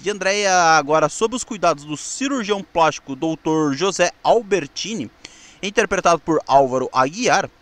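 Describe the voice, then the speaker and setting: A Brazilian man with a notably high voice narrates as a channel presenter. His delivery is explanatory and partly scripted. He stumbles over a word now and then. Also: a bit bright, no room sound. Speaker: presenter of a weekly history channel. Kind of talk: semi-scripted narration of TV history.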